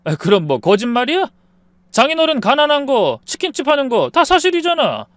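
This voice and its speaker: A man's voice: high voice, sing-song, normal speed, no room sound, voice pushed up. A man playing a sneering drunk husband. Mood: shouting. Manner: sneering, shouting, whiny. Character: arrogant drunk husband, newly promoted, sneering.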